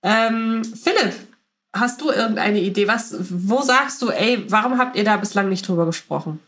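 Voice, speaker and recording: A woman's voice: mid-range voice, lively intonation, moderate pace, a bit bright. A woman hosting a podcast, moderating a casual discussion and putting questions to her guests. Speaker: podcast host.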